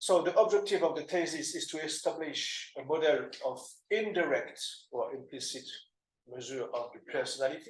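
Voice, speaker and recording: A man with a French accent at a moderate pace, with audible room echo. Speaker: doctoral researcher in psychology. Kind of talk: conference talk. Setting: academic conference. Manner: halting, many fillers.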